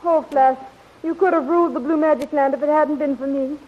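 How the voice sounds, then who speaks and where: An actress in a 1930s radio serial playing a devoted, anxious young heroine on the run, earnest and melodramatic. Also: female voice, high-pitched, fairly quick, natural voice. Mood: despairing. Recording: hissy, muffled 1930s radio recording.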